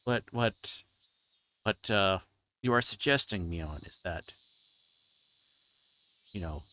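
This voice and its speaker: A man livestreaming a visual novel, reading story text aloud and adding halting, informal asides. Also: fairly low pitch, expressive, sharp tone. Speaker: streamer playing a visual novel. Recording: clear background noise, insect-like ambience.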